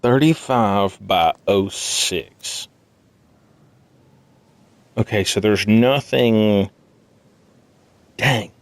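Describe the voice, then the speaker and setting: A sleep-deprived man thinking aloud as he plays a puzzle game, muttering haltingly to himself in casual commentary. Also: lowish voice, no echo. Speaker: gaming video host. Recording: music behind the voice. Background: game music.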